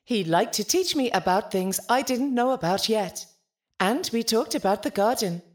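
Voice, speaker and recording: Woman acting polite, high-voiced nonhuman intelligence. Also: expressive, moderate pace, lightly acted. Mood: earnest, wistful. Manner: formal, precise wording, earnest and literal. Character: polite, lonely, literal-minded nonhuman intelligence, eager for friendship. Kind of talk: audio fiction podcast acting.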